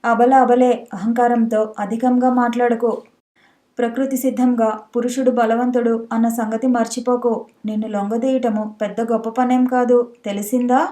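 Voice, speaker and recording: A woman's voice: a little high, flat delivery, moderate pace, dark tone, close to an everyday voice. A woman voicing a stern, hardworking young husband in a storybook reading, with a lecturing manner.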